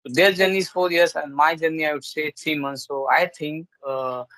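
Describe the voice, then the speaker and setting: Man, Indian English accent, Urdu native, hesitant, many fillers, video call, slightly high voice, dry sound. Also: steady tone, moderate pace, fairly bright tone, no echo, low-quality recording. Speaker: English learner. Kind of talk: casual video call chat.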